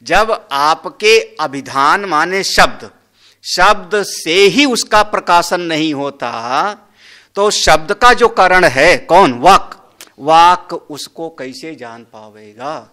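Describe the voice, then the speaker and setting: A man's voice: on the high side, lively intonation, takes it slowly, pushed and bright. A man, a Hindu swami, giving a scriptural discourse, explaining a Sanskrit verse word by word and asking and answering his own questions.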